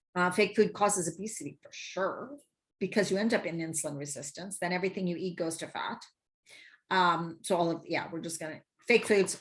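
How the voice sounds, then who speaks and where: Using an ordinary speaking voice, the speaker talks at a fairly quick pace with ordinary pitch variation and big swings in loudness. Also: woman, medium pitch for a woman. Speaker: health coach. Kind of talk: live stream talk. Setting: live video stream at home.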